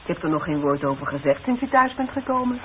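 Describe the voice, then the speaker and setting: An actress playing a caring, practical grown daughter who coaxes and gently scolds, in a 1960s radio play. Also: female voice, on the low side, very animated, fast talker. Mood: concerned. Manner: coaxing, motherly, gently scolding. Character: caring, practical grown daughter soothing her grumbling father. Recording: dull, noisy 1960s radio broadcast.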